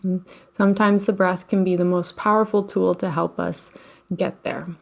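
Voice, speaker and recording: A woman leading a guided relaxation as a meditation teacher, speaking in a gentle, unhurried, soothing way with long pauses. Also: fairly low pitch, steady tone, vocal fry. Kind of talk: guided meditation, slow instruction.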